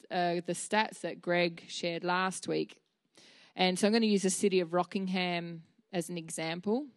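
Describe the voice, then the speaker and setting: A woman in her thirties preaches in a relaxed, heartfelt way, with fillers and restarts. Her voice sits a little low. The handheld mic gives a close, dry sound. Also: dry recording. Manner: earnest, candid, with fillers and restarts. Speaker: church speaker. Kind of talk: conversational sermon. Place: dim church stage with a small seated audience.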